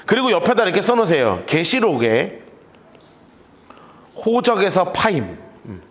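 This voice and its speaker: A male pastor preaching with a high voice and a swooping, expressive pitch. He talks to his congregation in a joking, conversational way and keeps telling them what to write down. The delivery is animated throughout. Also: normal speed. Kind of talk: sermon with Bible study notes.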